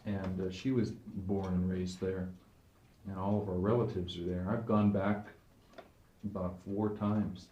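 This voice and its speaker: A man's voice: deep voice, flat delivery, a little slow, dark tone, dull audio. A man in a casual, informal home chat, acting as the visiting interviewer. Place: indoors in a home. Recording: echoey room with clear background noise.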